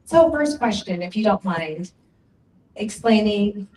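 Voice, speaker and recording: A woman's voice: medium pitch, lively intonation, takes it slowly, darkish tone. A woman moderating a panel, announcing events and posing questions in an upbeat tone. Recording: echoey, distant.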